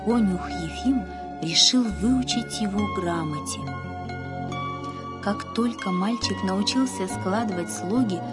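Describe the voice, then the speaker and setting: A woman narrating a Christian children's story in a calm, unhurried way. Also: mid-range voice.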